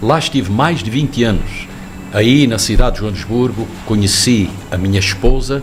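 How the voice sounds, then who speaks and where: Amid audible room echo and noticeable background noise, a man talks at a moderate pace with a medium pitch and ordinary pitch variation. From South Africa (Johannesburg), Portuguese family; born in Porto, childhood in Angola. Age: 70s. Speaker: pastor. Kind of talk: interview. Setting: studio.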